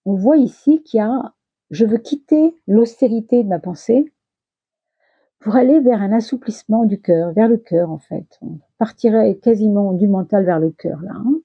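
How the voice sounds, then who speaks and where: In a dry, muffled recording, a woman with a mid-range, breathy-edged voice at a moderate pace offers a casual monthly tarot forecast. She stumbles over fillers and restarts, clears her throat, and sounds increasingly throaty as her voice gives out.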